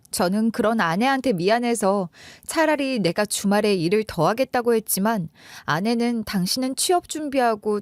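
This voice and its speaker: A woman's voice: a little high, darkish tone, no echo. A woman narrating a first-person story radio tale in a confiding, rueful tone, telling it as the husband.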